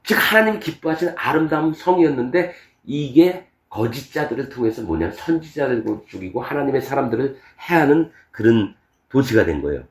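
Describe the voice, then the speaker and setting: Animated male pastor preaching in an echoey church. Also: medium pitch, a little fast. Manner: animated, acts out scripture voices with laughs and shouts. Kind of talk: sermon.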